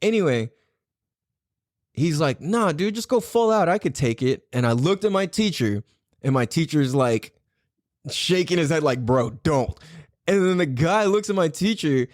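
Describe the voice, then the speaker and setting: A young adult man hosts a podcast alone and tells a rambling story full of swearing. His voice sits a little high and leaps up and down with lively energy. The sound is dry and close, with no room around it. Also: unhurried, no room sound. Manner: animated, profane, rambling. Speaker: podcast host. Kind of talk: casual solo storytelling.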